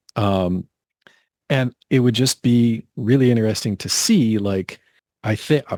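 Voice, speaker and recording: Recorded very cleanly with a silent background and a dry, close sound with no echo, a man with a dark, mellow tone and medium pitch speaks at a fairly slow pace, with ordinary pitch variation and long, frequent pauses. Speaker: podcast host. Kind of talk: casual chat.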